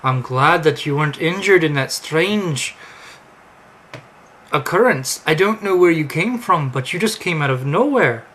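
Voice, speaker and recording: A man's voice: mid-range voice, a little slow, a little hiss or hum, natural voice. A man voicing a kindly, hearty Amish farmer in his sixties, with solicitous, old-fashioned talk. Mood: hearty, relieved.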